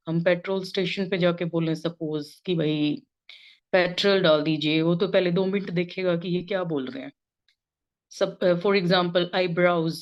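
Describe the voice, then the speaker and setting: A woman lecturer from India, with a Hindi accent, explains patiently in a somewhat low voice. She moves between Hindi and English phrases like a teacher speaking in class. The recording is a little dull and muffled. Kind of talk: informal spoken lesson.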